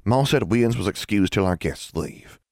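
A man voicing a gentle, proper backwoods girl with an Ozark accent and old-fashioned dialect, for a storybook. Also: on the low side, expressive, moderate pace, no echo, clean studio sound, voice pushed up. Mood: protesting.

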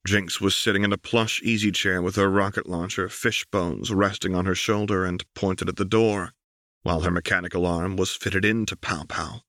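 A man's voice: sits low, steady tone, moderate pace, a bit bright, no room sound, studio quality. A man reading an audiobook as scripted, dramatic story narration. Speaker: audiobook reader.

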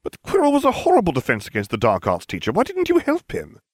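A man voicing a smug, excitable young male wizard who is flippant and indignant, in a storybook. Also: lowish voice, quick pace, no echo, clean studio sound. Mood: incredulous. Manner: incredulous, flippant, exclaiming. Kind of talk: storybook character acting.

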